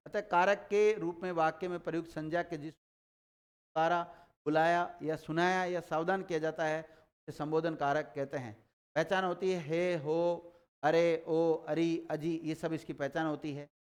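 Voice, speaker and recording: A man teaching a grammar lesson, explaining rules and quizzing students with quick repeated questions. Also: on the high side, level tone, clear, resonant tone.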